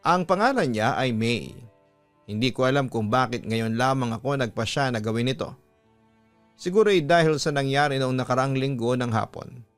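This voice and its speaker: A man's voice: medium pitch, expressive, moderate pace, no echo. Filipino man narrating dramatically over music. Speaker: host reading listener letters. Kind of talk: scripted dramatic narration of a listener's letter. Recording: music bed behind voice. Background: background music.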